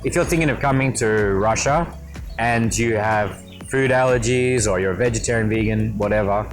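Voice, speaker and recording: Over background music, an Australian man gives upbeat, casual interview answers about travel tips, laughing easily. His voice is mid-range and his pace moderate.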